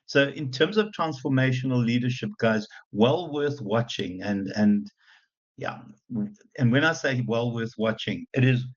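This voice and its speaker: A man from South Africa with an Afrikaans accent, giving a chatty, animated university lecture with lots of repeated restarts. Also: mid-range voice, a little slow. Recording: muffled lecture recording.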